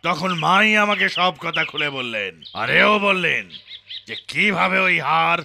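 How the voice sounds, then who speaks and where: Gravelly, wily fake holy man. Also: a little high, expressive, a little slow, sharp tone, slight background noise, heavily acted. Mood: pious, soothing. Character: wily bandit posing as a pompous holy sadhu. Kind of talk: children's cartoon voice acting.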